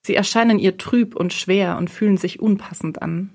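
Narrating an audiobook, a woman keeps a calm, even storytelling tone. Her voice is mid-range and her pace is normal.

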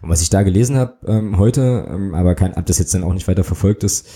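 Fast-talking low-voiced man podcasting. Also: dark tone. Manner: rambling, many fillers and restarts. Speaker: podcast co-host. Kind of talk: casual fan podcast chat.

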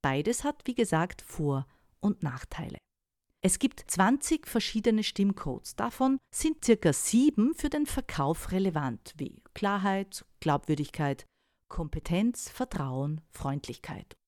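Low, warm-voiced woman coaching. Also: unhurried, dry recording, studio quality. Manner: calm, didactic, poses rhetorical questions. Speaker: voice and sales-speech coach. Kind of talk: scripted instructional talk.

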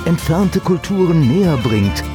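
Man, announcer, scripted promo intro, animated pitch, music behind. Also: moderate pace. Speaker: podcast announcer. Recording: voice-over over music.

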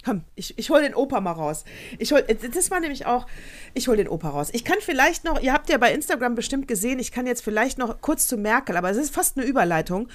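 A woman's voice: on the high side, very animated, fast. A woman co-hosting a casual podcast chat, teasing and joking with her partner. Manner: teasing, joking, swings up into loud squeals. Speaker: podcast co-host.

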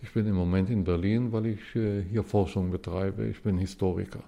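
A man in his seventies with a low, gravelly voice and a dark, mellow tone. He is from Israel and explains things in a measured way as a guest in an interview, with faint music behind him. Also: steady tone. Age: 70s. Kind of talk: casual interview talk.

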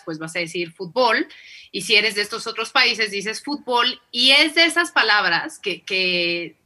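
A woman's voice: medium pitch, bright, forceful tone. A woman with a Mexican Spanish accent, a podcast guest explaining spelling rules in casual chat, laughing often and ending phrases with tag questions.

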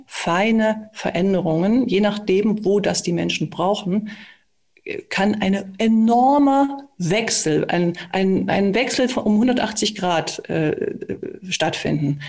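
A speaking and voice coach calmly explaining and demonstrating exercises in a conversation, with small hesitations. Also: medium pitch.

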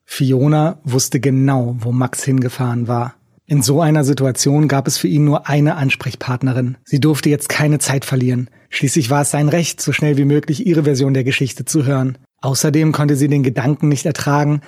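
A man reading a novel aloud as audiobook narrator, steady and measured, on a close studio mic. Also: mid-range voice, slightly rough, no echo.

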